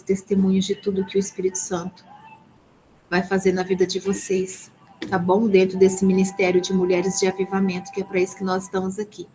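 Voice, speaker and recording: Flat-voiced Brazilian woman teaching church class. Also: medium pitch, slight background noise, low-quality recording. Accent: Brazilian Portuguese. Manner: peppers speech with "amen?" and "né?" tags; earnest, blessing-filled preaching tone. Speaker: women's ministry teacher. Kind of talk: live online Bible class.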